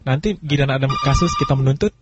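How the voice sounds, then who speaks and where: A man's voice: mid-range voice, fast. A man hosting a casual talk radio show, answering listeners and repeating phrases for emphasis, on a lo-fi streaming broadcast. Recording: dull, lo-fi streaming radio with loud noise.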